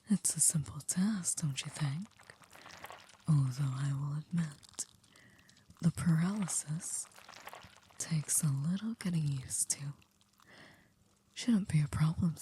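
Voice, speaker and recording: Woman voicing poised servant of a vampire, ASMR roleplay, very low female voice, soft mellow tone, hushed, polite, formal, quietly commanding. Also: slight background noise. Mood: cool, softly menacing. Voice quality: breathy, hushed, often near a whisper. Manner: formal, polite, measured, with stiff wording. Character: poised, formal female vampire's maid, coolly controlling and devoted.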